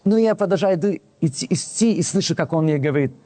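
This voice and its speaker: A man's voice: a little high, quick pace, no room sound. A man telling a casual personal anecdote, acting out the dialogue and often restarting and correcting himself. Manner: animated retelling that acts out quoted dialogue; frequent restarts and self-corrections. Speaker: storyteller.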